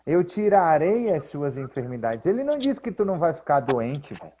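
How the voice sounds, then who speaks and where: A man in casual talk about the Bible, animatedly reading scripture aloud slowly and with emphasis. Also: fairly high pitch, big pitch swings, mellow, slight background noise. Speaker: co-host. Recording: dull lo-fi sound.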